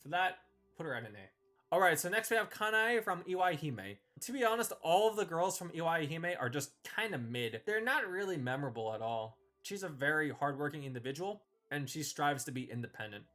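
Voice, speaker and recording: Casual reviewer with very lively pitch. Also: fairly quick. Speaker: video host ranking visual novel characters. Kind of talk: casual opinionated review commentary.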